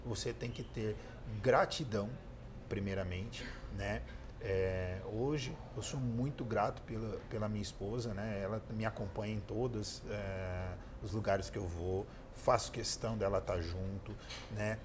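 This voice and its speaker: A man's voice: fairly low pitch, fairly even intonation, unhurried, background noise. A man in his thirties with a Brazilian accent, a guest answering interview questions in an earnest storytelling way. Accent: Brazilian Portuguese. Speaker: guest entrepreneur and speaker. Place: pink decorated studio set, indoors.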